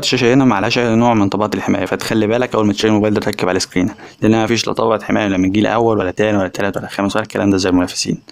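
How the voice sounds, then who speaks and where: Man, Egyptian accent, tech reviewer, extremely quick delivery, slightly low pitch, casual direct address. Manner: colloquial, chatty, direct address to viewers. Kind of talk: casual phone review voice-over.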